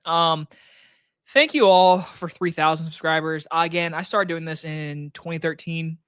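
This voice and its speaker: A man with a scratchy, hoarse throat hosting a casual live stream Q&A from his desk, talking loosely with plenty of likes and restarts into a microphone on a boom arm. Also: unhurried, fairly bright tone, dry recording. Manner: loose, rambling talk with many likes and restarts. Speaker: movie reviewer and channel host. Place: home desk setup.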